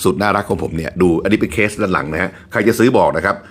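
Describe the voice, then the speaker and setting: A man's voice: deep voice, racing. A man in his fifties from Thailand, hosting his own channel and telling his story to viewers in a chatty, self-deprecating way, laughing often. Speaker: channel host.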